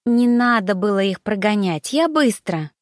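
A woman's voice: mid-range voice, lively intonation, moderate pace, no room sound, clean studio sound, lightly acted. A woman voicing a cheerful, bubbly young woman who talks playfully and pouts. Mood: sulky. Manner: bright, playful, pouty.

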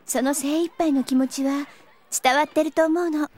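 A woman playing a gentle, supportive high school girl, an encouraging friend in an anime-style audio drama. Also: fairly even intonation, moderate pace, lightly acted.

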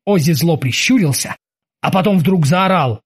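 Expressive audiobook narrator. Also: mid-range voice, normal speed, slightly rough. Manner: expressive reading.

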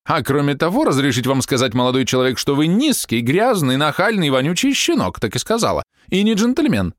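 A man doing a shrill, nagging woman. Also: very animated, brisk, dry recording, clean studio sound. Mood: aggrieved ranting. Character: shrill, quarrelsome woman in her forties.

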